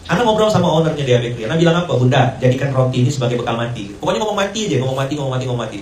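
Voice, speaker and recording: A man delivers a brisk, storytelling sermon, slipping in Arabic and English phrases and voicing the people in his story. He sounds set back from the mic, and his voice rings around a roomy hall over a faint hum of ambience. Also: mid-range voice, lively intonation, darkish tone, far from the mic. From Indonesia. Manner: conversational, mixes Arabic and English phrases, acts out quoted dialogue. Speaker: preacher.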